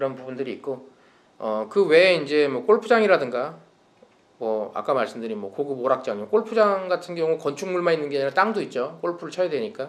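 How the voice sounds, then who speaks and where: A man's fairly high voice swings very widely in pitch as he talks at a fairly quick pace. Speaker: real estate tax instructor. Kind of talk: lecture. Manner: fast.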